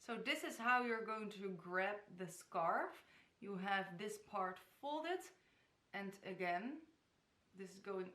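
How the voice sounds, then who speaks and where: Chatty bright-voiced young woman vlogger. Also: on the high side. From the Netherlands. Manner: chatty, giggly, stumbles over place names. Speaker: hijab tutorial vlogger. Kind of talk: casual tutorial talk to camera. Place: her bedroom. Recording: echoey bedroom.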